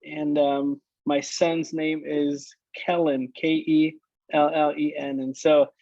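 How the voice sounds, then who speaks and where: A man's voice: a little high, little pitch movement, darkish tone, no room sound, highs cut off. A man in his late thirties from Michigan, chatting casually about his life with frequent restarts and fillers. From Michigan, United States. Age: late 30s. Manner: halting, many restarts and fillers. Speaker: worship leader guest. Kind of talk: casual conversation.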